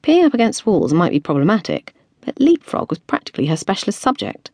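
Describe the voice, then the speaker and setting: A woman narrating an audiobook in an expressive, playful storytelling manner, recorded on a studio mic. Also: mid-range voice, fairly quick, no echo. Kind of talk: scripted narration.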